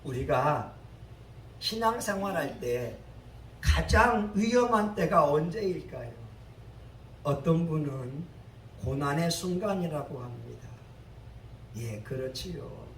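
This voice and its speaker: A male pastor preaching with a high voice and an unhurried pace. His delivery rises into loud, dramatic outbursts. He is recorded from a distance in an echoey church with faint ambient noise. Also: animated. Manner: dramatic, loud quoted exclamations. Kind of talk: sermon. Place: church sanctuary.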